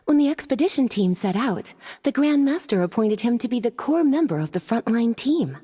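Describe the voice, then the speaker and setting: A woman voicing a friendly young knight who calmly explains things. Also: fairly high pitch, moderate pace, breathy edge. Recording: game audio with music.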